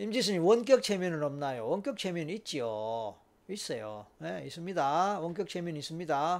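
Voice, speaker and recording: A man speaks with a Gyeongsang accent at a moderate pace. His pitch sits high and swings very widely. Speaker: hypnotherapist and counselor. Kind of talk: guided hypnosis induction; live stream Q&A. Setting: live online broadcast.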